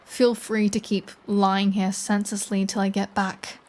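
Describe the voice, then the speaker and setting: A woman's voice: mid-range voice, flat delivery, darkish tone, natural voice. A woman playing a flirty, playful vampire who teases in a chatty, self-assured way, as in an intimate roleplay audio. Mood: smug teasing. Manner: teasing, chatty, unhurried.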